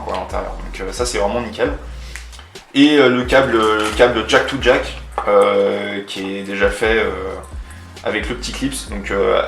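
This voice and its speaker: A man's voice: lowish voice, a bit bright. A man from casually demonstrating a product as a vlogger, explaining it step by step in informal, colloquial language. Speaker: motovlogger reviewing a product. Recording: roomy echo, faint music underneath.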